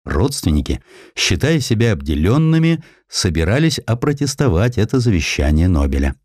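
A man's voice: on the low side, sing-song, moderate pace, a little mellow, dry recording, studio quality. A man narrating a historical essay with theatrical, emphatic, scripted delivery.

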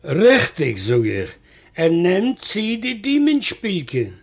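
A man's voice: high-pitched, wildly swooping pitch, slow pace. A man reading a comic first-person story aloud in a chatty manner, retelling a quarrel and repeating "I say" again and again.

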